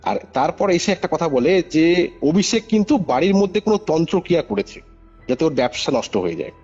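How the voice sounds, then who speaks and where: Fast-talking man on a muffled call. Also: on the high side, sing-song, darkish tone, breathy edge. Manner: emphatic, repeats phrases and checks the listener follows. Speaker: caller recounting a paranormal case. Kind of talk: animated informal spoken storytelling. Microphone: phone call. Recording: muffled phone call recording over music. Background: music.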